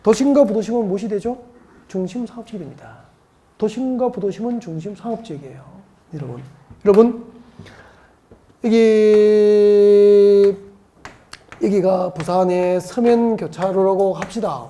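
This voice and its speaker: A woman's voice: mid-range voice, lively intonation, fairly quick, mellow, slight background noise. A woman from Seoul giving an exam-prep lecture, firing rhetorical questions and drilling mnemonics by repetition. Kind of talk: classroom lecture.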